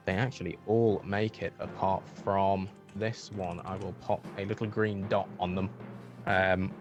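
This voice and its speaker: A man acting as dungeon master, calmly narrating a tabletop game and talking through rolls and moves. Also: low-pitched, measured pace, over music.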